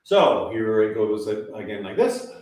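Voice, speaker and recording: A man leading a live online vocal warm-up, calmly coaching and demonstrating sighs and sung exercises. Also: on the low side, measured pace, recorded from a distance. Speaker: voice teacher. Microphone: camera mic at a distance. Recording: echoey room, voice off-mic.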